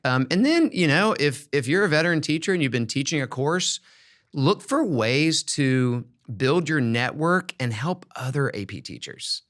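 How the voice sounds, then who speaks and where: Man podcasting, halting conversational style. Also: fairly high pitch, sing-song, a bit bright. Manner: halting, repeats words while thinking aloud. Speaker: podcast host. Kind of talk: casual conversational advice on an education podcast.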